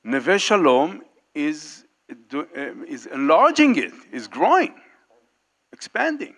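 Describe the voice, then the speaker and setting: Seated at a panel table in a big indoor meeting hall, a man in his sixties speaks off the cuff into a handheld mic. His fairly bright voice is a little high with big pitch swings, and his delivery is halting, packed with fillers and restarts, as he gestures while talking.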